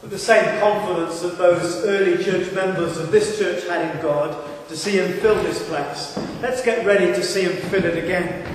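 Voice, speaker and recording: A man's voice: high-pitched, moderate pace, distant mic, a little hiss or hum. A Welsh man from South Wales, a pastor introducing a sermon series in an earnest voice with rhetorical questions, speaking in a large empty church. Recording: echoey church hall.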